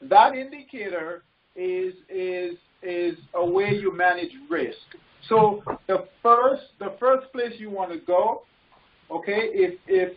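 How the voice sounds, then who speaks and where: A man leading a group call as a coach, informally explaining things in halting, repeated phrases and often checking in. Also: sits high, animated. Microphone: conference call line. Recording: muffled, noisy conference call audio with clicks.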